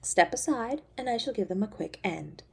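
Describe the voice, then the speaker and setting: A woman's voice: medium pitch, lively intonation, normal speed, gravelly, slightly rough, exaggerated voice. A woman playing a cruel, imperious centuries-old succubus mother in a scripted audio roleplay, mocking and menacing. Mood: cold threat.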